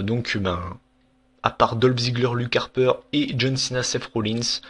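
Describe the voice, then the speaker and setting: Blunt young man reviewing wrestling. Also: medium pitch. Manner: frank, blunt, with many fillers and restarts. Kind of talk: casual opinion vlog.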